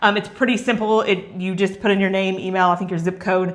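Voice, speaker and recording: This woman's pitch is medium. She talks at a very fast pace. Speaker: organizing event host. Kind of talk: live stream presentation. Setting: livestream video. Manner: animated.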